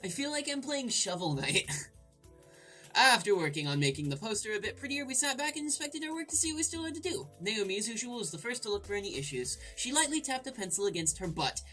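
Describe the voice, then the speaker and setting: A woman's voice: on the high side, very animated, fast talker, a bit bright, faint music behind. A woman hosting a let's play, reading game text aloud and breaking in with irreverent, crude, jokey asides.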